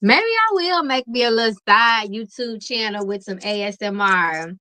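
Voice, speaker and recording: Bright-voiced woman chatting on a livestream. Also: fairly high pitch, normal speed. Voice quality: calming voice. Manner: relaxed, chatty, laughs often, addresses viewers as y'all. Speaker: tarot reader and livestream host. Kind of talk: casual livestream chat with viewers.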